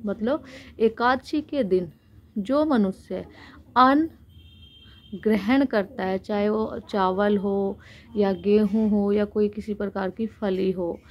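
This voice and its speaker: An Indian woman giving an explanatory Hindu religious discourse, speaking earnestly and unscripted with pauses, her throat a little sore. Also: medium pitch. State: sore throat with frequent throat clearing.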